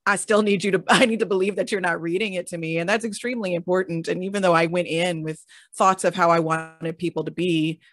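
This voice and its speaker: A woman's voice: fairly low pitch, steady tone, quick pace, no room sound, studio quality. A woman who makes audio dramas, explaining her casting choices thoughtfully on a panel. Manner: thoughtful, laughs lightly while explaining. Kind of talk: panel discussion.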